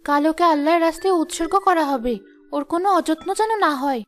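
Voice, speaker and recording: A woman's voice: high-pitched, quick pace, soft background music, natural voice. A woman voicing a kind, pious village mother in a cartoon, speaking in a soothing, reassuring way.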